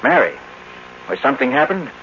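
An actor playing a worried, exasperated husband, urgent and questioning, in a 1950s radio drama. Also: male voice, medium pitch, very animated, brisk, a bit bright. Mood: concerned. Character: anxious, exasperated husband of a troubled wife. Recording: dull noisy old radio recording.

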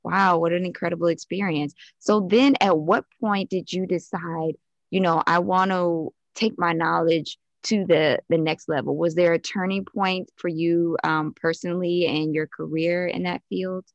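A woman's voice: fairly low pitch, fairly even intonation, moderate pace, no echo, muffled recording. A woman hosting an interview podcast, enthusiastic and effusive, with many exclamations. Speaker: podcast host.

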